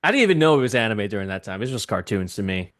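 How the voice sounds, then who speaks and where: A man's voice: fairly low pitch, very animated, rapid-fire. Eager guy, Vietnamese native speaker. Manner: eager, gushing about cartoons. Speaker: podcast guest, voice actor. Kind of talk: casual chat.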